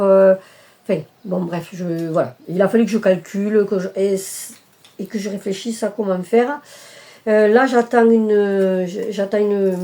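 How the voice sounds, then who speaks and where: Warm-voiced woman chatting hesitantly. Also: medium pitch. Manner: hesitant, many fillers and self-corrections. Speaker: cross-stitch vlogger. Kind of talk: casual show-and-tell chat.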